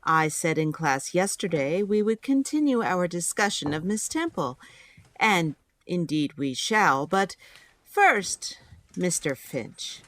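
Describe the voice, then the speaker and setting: An actress playing a stern, exacting schoolteacher, formal and pointed, in an audio drama. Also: female voice, lowish voice, very animated, takes it slowly, fairly bright tone, dry recording, heavily acted. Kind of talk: full-cast audio drama acting.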